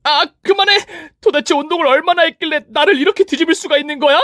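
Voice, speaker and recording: A man's voice: extremely high pitch, fast talker, bright, forceful tone, no echo, clean studio sound, voice pushed up. A man voicing a desperate, clingy young woman who pleads and shrieks. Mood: shrieking.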